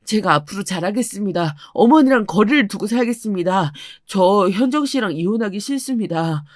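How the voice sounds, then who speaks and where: A woman's voice: medium pitch, lively intonation, fairly quick, dry recording, studio quality, natural voice. A woman voicing a remorseful young husband who pleads and apologizes. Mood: pleading.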